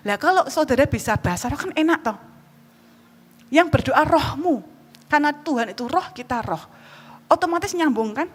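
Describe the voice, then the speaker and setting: A woman's voice: high voice, normal speed, pauses often. Joking woman preacher with a Javanese accent. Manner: lively and joking, often calls out to the congregation. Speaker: evangelist. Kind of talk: sermon. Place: church hall. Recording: reverberant church hall, faint background noise.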